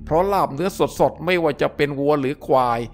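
A man's voice: fairly high pitch, fairly quick. Male storyteller over faint music. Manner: steady, descriptive reading. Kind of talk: audiobook-style story narration.

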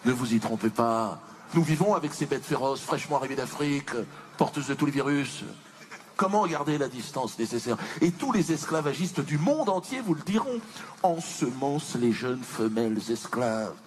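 A man's voice: mid-range voice, lively intonation, normal speed, natural voice. A man performing punchy stand-up as a pompous, self-pitying slave owner from the colonial past, theatrical, indignant and mock-dignified. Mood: self-justifying. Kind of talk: punchy stand-up comedy character monologue. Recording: noisy live theatre stage recording.

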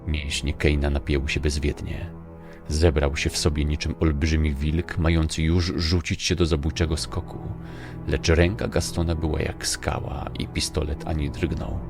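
Male audiobook narrator: extremely low, gravelly, even delivery of dark scripted fiction, clear music underneath. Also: normal speed. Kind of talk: scripted dramatic story narration.

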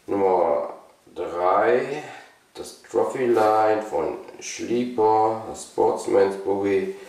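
Slow, low-voiced man in an echoey room. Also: vocal fry, darkish tone. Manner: halting, thinking aloud. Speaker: host of a knife collection channel. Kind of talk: casual product showcase, unscripted. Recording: roomy echo, distant microphone.

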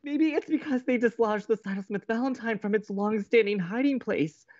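A woman's voice: a little high, normal speed, a little mellow, dull audio, close to an everyday voice. A woman playing an easily exasperated young college radio co-host in an audio drama, with an emphatic, melodramatic manner. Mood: distressed.

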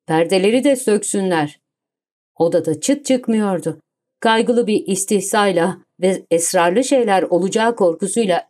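A woman reading an audiobook in steady scripted narration. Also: medium pitch.

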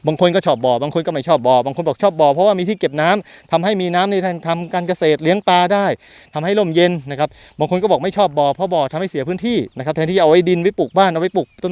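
A man's voice: fairly high pitch, fast talker, darkish tone, smooth, no room sound. A man selling land, walking outdoors through open rural fields and chatting loosely to a handheld camera as he keeps pointing things out. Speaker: land seller and property reviewer. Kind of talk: casual walking tour to camera. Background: birds and open countryside.

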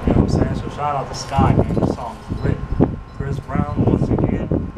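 A man's voice: mid-range voice, little pitch movement, moderate pace, heavy background noise. A young man casually talking to the camera as a music reaction vlogger, rambling and laid-back with lots of fillers, in a small room. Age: young adult. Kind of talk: casual slangy monologue to camera.

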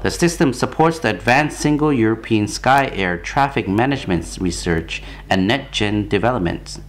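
A man's voice: fairly low pitch, animated, normal speed, slight background noise. A man reading scripted television news narration as a presenter.

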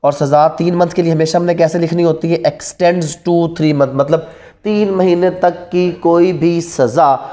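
A Pakistani man with a slightly high voice gives a classroom lecture. He keeps asking questions that he answers himself, and he repeats important terms for his students. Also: steady tone, a little slow, dark tone. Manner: asks rhetorical questions and repeats key points. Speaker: law teacher. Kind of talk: classroom lecture mixing Urdu and English terms. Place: indoors in front of a classroom whiteboard.

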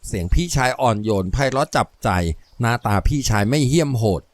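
A man narrating a novel as an audiobook, in an expressive storytelling manner. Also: medium pitch, brisk, no room sound.

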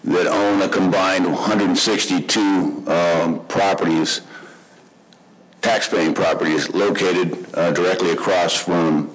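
A middle-aged man, president of a homeowners group, reading prepared public comments at a podium in a meeting room. He speaks earnestly and haltingly, with many fillers. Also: low voice, fairly even intonation, husky, rough recording. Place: indoor township meeting room. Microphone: podium microphone.

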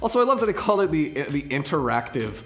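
A young man talks through a casual scripted show from a small studio set. His delivery is animated and wisecracking, often jumping into loud bursts. Faint music plays in the background. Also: on the high side, fast talker. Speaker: co-host. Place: studio set with branded backdrop.

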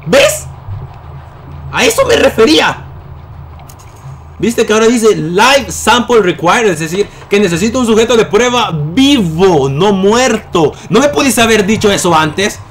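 Young male gamer, high voice, loud and excitable, close mic. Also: normal speed, few pauses, slight background noise. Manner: excitable, yelling at enemies in bursts. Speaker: gaming YouTuber. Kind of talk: gameplay commentary.

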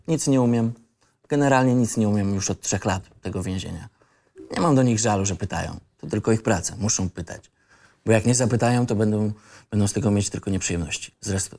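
A man's voice: lowish voice, vocal fry, darkish tone. An actor playing a cocky, disillusioned young male student in an audio drama script reading, with an insolent, ironic and reflective manner. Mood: wry, detached.

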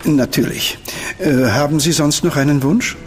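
An actor playing a polite, deferential household butler in a radio drama. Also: male voice, a little high, normal speed, soft background music, natural voice. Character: formal, solicitous household butler. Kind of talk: German radio drama acting.

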